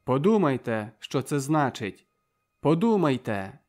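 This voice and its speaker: A man voicing a tall young captive soldier who speaks with a sharp, fiery voice in an impassioned speech to a crowd. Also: mid-range voice, sing-song, unhurried, soft background music. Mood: fiery, defiant. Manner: impassioned pleading speech, raised and loud.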